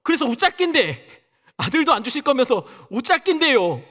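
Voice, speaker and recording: A man's voice: very high voice, sing-song, normal speed, sharp tone, big-room sound, pitched above the performer's own voice, heavily acted. A man preaching plays the old patriarch Abraham as exasperated and sulky, talking back to God in Busan dialect. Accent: Busan dialect in the put-on speech. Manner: petulant, sulky back-talk like a teenager.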